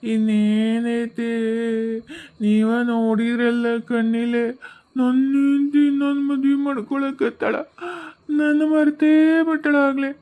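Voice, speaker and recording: A man's voice: sits high, dark tone, natural voice. A man voicing the ghost of a murdered young husband in a cartoon, speaking North Karnataka Kannada and swinging from sobbing complaints to vengeful threats. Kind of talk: cartoon voice acting.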